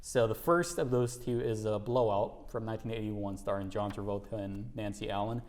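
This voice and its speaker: A man's voice: fairly low pitch, fairly even intonation, moderate pace. Upbeat young man hosting casually. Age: young adult. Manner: upbeat, laid-back, lots of fillers and laughs. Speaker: host. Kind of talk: casual interview chat.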